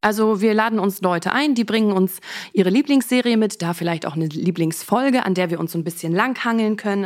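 A woman hosting a podcast in a casual, conversational style. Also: fairly low pitch. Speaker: host.

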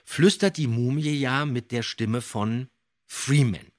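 A man co-hosting a podcast, telling a story in an animated way with dramatic emphasis and built-up suspense. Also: medium pitch, takes it slowly. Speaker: podcast co-host.

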